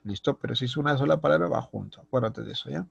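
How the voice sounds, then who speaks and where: A man's voice: mid-range voice, gravelly, breathy edge, dry recording, highs cut off. A man with a Latin American Spanish accent teaching a spelling lesson, reading out example words and often checking in with his class. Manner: lists example words slowly, stressing the sounds. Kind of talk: recorded online spelling lesson.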